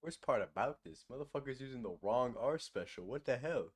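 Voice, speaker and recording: A young man casually commentating over his own video, laughing often, swearing and now and then yelping loudly. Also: mid-range voice, lively intonation, a little fast, slightly rough. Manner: laughs often, swears, bursts into loud yelps. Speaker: video essay creator doing live commentary.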